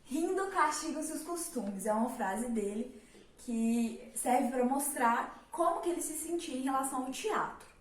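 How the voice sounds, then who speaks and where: A woman's voice: high voice, measured pace, slight background noise. A young woman teaching a casual literature lesson, chatty, with many fillers and rhetorical questions. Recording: roomy, mic at a distance.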